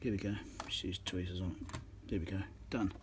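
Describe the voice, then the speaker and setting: A man giving casual hands-on commentary as he works, halting and half talking to himself while he concentrates, recorded on a phone at an indoor workbench. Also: sits low, steady tone. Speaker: electronics repairer, channel host. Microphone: phone on a tripod above the work. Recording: noisy room recording on a phone.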